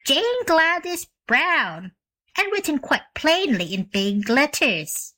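A woman's voice: high voice, big pitch swings, takes it slowly, sharp tone, voice pushed up, heavily acted. Woman doing a chuckling storybook clown. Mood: cheerful. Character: cheerful circus clown, male.

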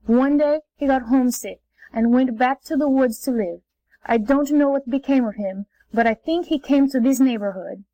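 A woman's voice: high-pitched, dark tone, dry recording, poor audio. A woman voicing a weary stranded man who speaks sadly and thoughtfully, in a storybook reading. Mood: musing. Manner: sad, slow and musing.

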